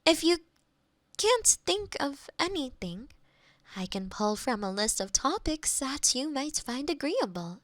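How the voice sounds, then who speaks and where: A woman's voice: sits high, sing-song, measured pace, fairly bright tone, no echo, full character voice. A woman playing a polite AI girlfriend eager to please, speaking in stilted, precise phrases in an intimate close-miked roleplay. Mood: politely helpful. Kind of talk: scripted intimate roleplay audio. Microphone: close binaural microphone.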